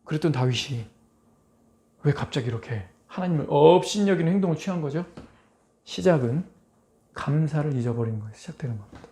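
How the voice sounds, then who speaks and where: Emphatic male preacher, fairly high voice. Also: expressive, fairly quick, pauses often, dark tone. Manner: emphatic, asks the congregation rhetorical questions; acts out quoted voices in dramatic asides. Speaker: pastor. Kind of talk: sermon.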